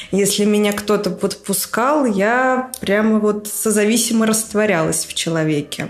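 A woman's medium-pitched voice at a fairly slow pace, with hardly any pauses and ordinary pitch variation, over noticeable background noise. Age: 30s. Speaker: guest with borderline personality disorder. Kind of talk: personal testimony interview.

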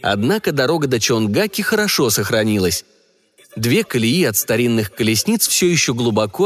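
Here is a man with an unremarkable speaking voice and medium pitch. He talks at a moderate pace with lively intonation. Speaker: audiobook narrator. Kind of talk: scripted narration, audiobook reading of weird fiction. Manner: measured, formal, literary storytelling; gradually building dread and tension.

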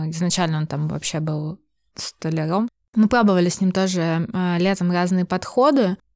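A woman's plain, everyday voice, fairly low in pitch, at a moderate pace with ordinary pitch variation and a dry, close sound with no echo. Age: 30s. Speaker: HR director. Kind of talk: casual chat.

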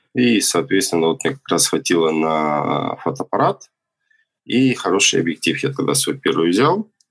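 A man speaks with a fairly low pitch. His voice makes very wide pitch swings. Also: moderate pace. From Russian Far East (Sakhalin). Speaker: landscape and drone photographer. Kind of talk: casual chat.

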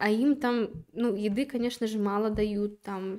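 A woman speaks at a fairly slow pace and fairly high pitch, her intonation fairly even. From Kazakhstan, Almaty. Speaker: shogi player and student. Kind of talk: casual interview. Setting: live studio broadcast.

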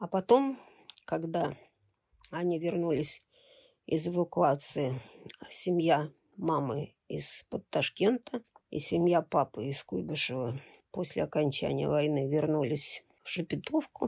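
Very slow and full of long, frequent pauses, the voice has a dark, mellow tone, vocal fry and lively intonation, with a dry, close sound with no echo on a very clean recording with a silent background. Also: woman, very deep, low pitch for a woman. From Ukraine. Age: 70s. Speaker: grandmother. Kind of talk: casual interview.

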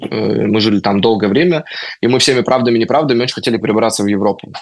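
Over noticeable background noise, a man talks at a very fast pace in a fairly low voice with ordinary pitch variation. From Moscow, Russia. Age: 20s. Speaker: actor. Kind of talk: interview.

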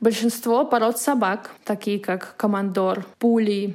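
Here is a woman with an unremarkable speaking voice. Her intonation stays fairly even. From Komi Republic, Russia. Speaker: interpreter. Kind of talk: casual chat.

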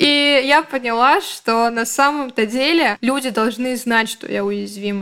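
Pitched high, a woman speaks at a fairly slow pace in a bright, sharp tone with hardly any pauses. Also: ordinary pitch variation. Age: 20s. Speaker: social media marketing expert and blogger. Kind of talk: podcast interview.

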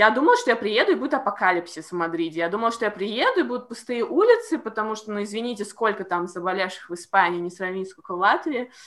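A woman speaks at a very fast pace with lively intonation and hardly any pauses. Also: fairly high pitch for a woman. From Latvia. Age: 20s. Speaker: master's student. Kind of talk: casual interview.

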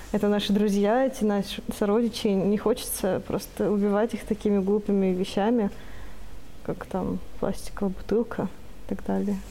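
A woman's dark, mellow voice at a medium pitch, with fairly even intonation and a moderate pace. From Kazakhstan, Astana. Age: 20s. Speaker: underwater photographer and whale guide. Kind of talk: casual interview.

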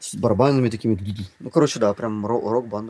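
At a fairly quick pace, a man with a medium pitch speaks in a dark, mellow tone with ordinary pitch variation. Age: 30s. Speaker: children's party entertainer and musician. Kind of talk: casual interview chat. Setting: studio. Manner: animated storytelling.

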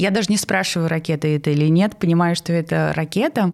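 In a normal speaking voice, a woman talks at a fairly quick pace with fairly low pitch, on a very clean recording with a silent background. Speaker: podcast host. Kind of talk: interview.

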